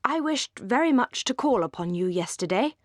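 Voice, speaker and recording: A woman reading aloud, voicing a money-minded gentleman who eagerly asks about a suitor's fortune. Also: on the high side, lively intonation, normal speed, no echo, clean studio sound. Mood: inquisitive. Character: John Dashwood, eager, money-minded older brother.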